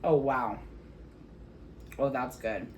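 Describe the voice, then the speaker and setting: Woman in her 40s, pretty low voice, casual candid cooking vlog chat, bit of background noise. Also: takes it slowly. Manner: candid, conversational.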